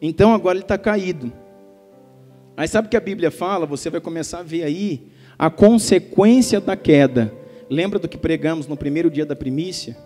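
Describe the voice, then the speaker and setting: A man with a Brazilian Portuguese accent preaching a sermon as pastor, emphatic and swinging between soft and loud. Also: a little high, moderate pace. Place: church. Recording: reverberant church hall with soft music.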